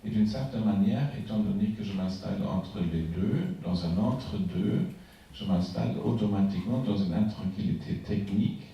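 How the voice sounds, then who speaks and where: A man whose first language is German, a writer speaking reflectively on a panel in a conference hall, pausing to search for words. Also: on the low side, lo-fi sound, slight background noise. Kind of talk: panel discussion. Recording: echoey hall from far off.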